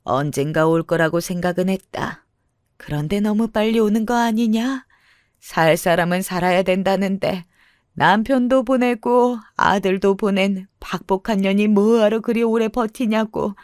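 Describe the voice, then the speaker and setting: A frail old widow from a narrated family story, acted out by a woman. She talks bluntly and roughly, like a muddled mother who has lost too much. The sound is dry and close. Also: mid-range voice, a little mellow, dry recording, close to an everyday voice. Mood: bitter, lamenting. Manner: slow, rough-tongued old woman's speech. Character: frail, bereaved elderly mother-in-law, blunt and confused.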